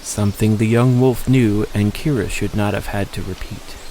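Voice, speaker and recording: A man's voice: fairly low pitch, fairly even intonation, moderate pace, mellow, slight background noise, rough recording. A man delivering scripted, dramatic narration of a story as the narrator.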